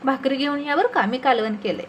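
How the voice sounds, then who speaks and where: A scheming second wife needles and sweet-talks, as a woman puts her on. Her voice sits high and sly in this storybook reading, with faint hiss behind it. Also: a little fast, natural voice.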